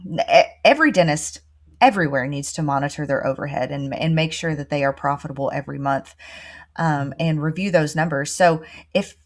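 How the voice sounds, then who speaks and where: A woman hosting an interview over a video call from a home office, asking measured questions. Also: low voice. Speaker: host. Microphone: webcam on a video call.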